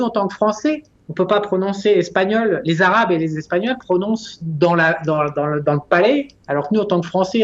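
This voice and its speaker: A man in his forties who talks bluntly and rambles, his voice sitting a little high. He laughs often and swears casually. The recording sounds dull and lo-fi. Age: 40s. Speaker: interview guest. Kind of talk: casual conversation.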